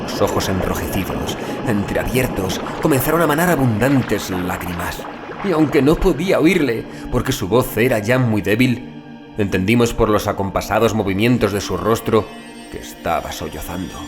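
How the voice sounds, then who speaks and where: Male horror audiobook narrator, lively intonation over music. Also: on the low side, moderate pace. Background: background music.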